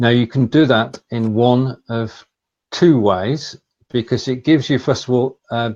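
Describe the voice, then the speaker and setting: Over a quiet background, a man with a Lancashire accent talks at a fairly slow pace and medium pitch, his intonation fairly even. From northern England, Lancashire. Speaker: talk show host. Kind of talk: casual chat. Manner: halting.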